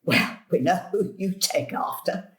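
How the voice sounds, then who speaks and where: A woman's voice: lowish voice, lively intonation, a little slow. Cantankerous, querulous old grandmother. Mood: blunt, scornful. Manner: querulous, blunt. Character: cantankerous, muddled old grandmother, indignant and meddling. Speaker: stage actor. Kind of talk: dramatic dialogue in a play.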